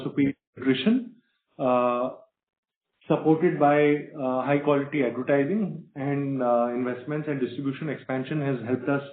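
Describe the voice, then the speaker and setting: A man answering questions as a company executive in a halting, measured corporate manner. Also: medium pitch. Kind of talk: earnings call answers. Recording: roomy, band-limited conference phone line.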